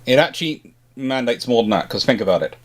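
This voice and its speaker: A man's voice: mid-range voice, expressive, fast talker. A man hosting a casual history discussion, talking at length and rephrasing as he reasons through his answers. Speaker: history show host answering questions. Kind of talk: casual speculative discussion, explaining.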